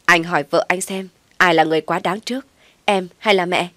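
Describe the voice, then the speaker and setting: A woman's voice: on the low side, steady tone, brisk, no room sound, natural voice. A woman voicing a defiant pregnant daughter-in-law. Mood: indignant. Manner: sharp, argumentative.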